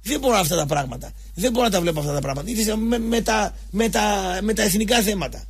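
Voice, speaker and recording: A man's voice: high-pitched, gravelly, breathy edge. A man hosting a sports show, delivering a rambling, emphatic football commentary monologue in colloquial talk full of restarts and mocking quotes.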